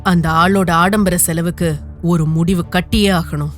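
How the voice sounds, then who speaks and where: A woman reading a scripted children's folktale as an expressive storyteller. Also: lowish voice, a little slow. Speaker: storyteller, narrator. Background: music.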